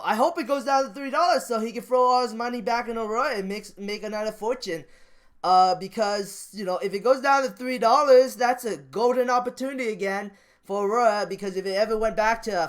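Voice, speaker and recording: A man with a noticeably high, smooth and clear voice talks in a casual, unscripted vlog style. He rambles along, circling back over the same phrases and often breaking off to restart a sentence. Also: fairly bright tone. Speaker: stock market vlogger. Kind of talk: casual off-the-cuff vlog commentary.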